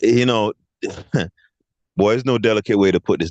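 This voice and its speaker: With a dry, close sound, no echo and a quiet background, a man speaks with an American accent. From Jamaica. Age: 40s. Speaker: podcast host. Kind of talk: casual chat.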